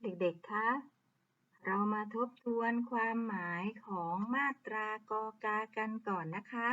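A woman teacher giving a reading lesson to young children, sounding out syllables slowly and clearly. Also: mid-range voice, pushed and bright, highs cut off. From Thailand. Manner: slow, drawn-out sounding out of words.

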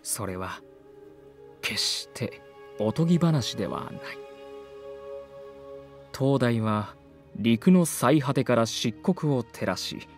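An actor narrating an audio drama prologue as a solemn chronicler of tales, in a measured storytelling manner. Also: male voice, mid-range voice, expressive. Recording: music behind the voice.

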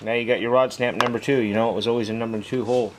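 A man's voice: medium pitch, fairly even intonation, racing. A man giving plainspoken, informal hands-on instructions as a mechanic in a garage workshop. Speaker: mechanic demonstrating an engine teardown. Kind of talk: hands-on how-to narration. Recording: clearly noisy garage recording with clicking.

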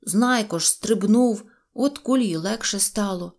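A woman's voice: medium pitch, a little slow, a little mellow, natural voice. Woman doing a grumbling little grouch. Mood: scornful. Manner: grumbling and irritable. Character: grumpy fussy little grouch Grumpy.

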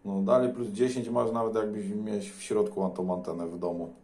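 A man's voice: on the low side, fairly even intonation, a little fast, noisy background. A man making casual, teasing and blunt small talk as a CB radio operator, in colloquial language.

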